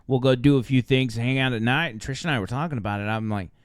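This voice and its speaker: A man's voice: medium pitch, quick pace, smooth, no room sound, studio quality. An American man in his thirties chatting casually as a radio co-host. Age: 30s. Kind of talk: casual chat.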